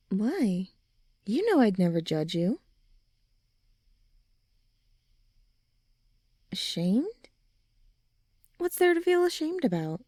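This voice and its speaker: A supportive teenage girl played by a woman speaks in a mellow, relaxed voice, recorded close and dry. She is gentle and reassuring, chatting informally like a caring best friend in an ASMR audio drama. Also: medium pitch, no room sound, heavily acted. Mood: concerned, coaxing. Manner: gentle, reassuring, informal, often sighing or softly laughing.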